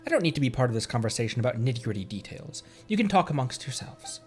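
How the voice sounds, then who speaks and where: A man's voice: mid-range voice, very animated, fast, lightly acted. A man voicing a haughty, impatient fantasy game character, dismissive and muttering as he reads the dialogue.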